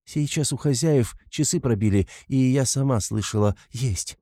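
A timid poor young woman who pleads in soft, halting, flustered words, as a male reader raises his voice to play her. The tone stays mellow and dark-edged under the lifted pitch. The recording is close and dry. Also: no room sound, natural voice.

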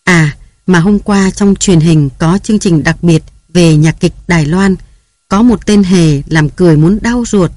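A reader voicing a harried young mother who scolds her children in a raised, hurried voice. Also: fairly low pitch, darkish tone, no room sound, studio quality. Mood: chatty, coaxing. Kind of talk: audiobook character voice.

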